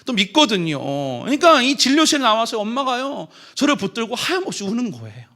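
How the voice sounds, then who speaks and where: High, lively young male pastor preaching. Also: fairly quick. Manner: animated storyteller, acts out his own prayers and quotes. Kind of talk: sermon with personal story.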